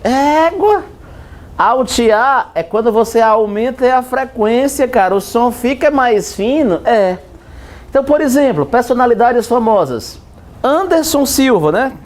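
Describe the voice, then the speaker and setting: A man's voice: expressive, a little slow. A man giving a joking physics lesson, playfully asking and answering his own questions. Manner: playful, talks to himself in both roles, swings pitch for effect. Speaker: physics teacher.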